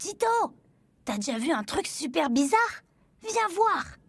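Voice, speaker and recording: A woman uses a put-on character voice at an extremely high pitch. She speaks at a fairly slow pace with very wide pitch swings. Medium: read story. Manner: lively.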